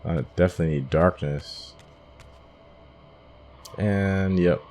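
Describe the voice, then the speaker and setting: A man with an extremely low, bass voice talks through a video game. He muses aloud in a casual, unscripted way. There is faint but noticeable noise behind him. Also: takes it slowly, darkish tone. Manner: musing, thinking aloud. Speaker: gamer hosting a playthrough.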